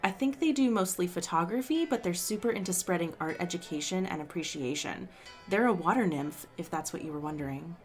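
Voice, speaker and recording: A woman's voice: lowish voice, animated, fairly quick, soft background music, lightly acted. Woman acting a teasing, upbeat best friend. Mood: matter-of-fact. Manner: casual, playful. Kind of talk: fiction podcast acting.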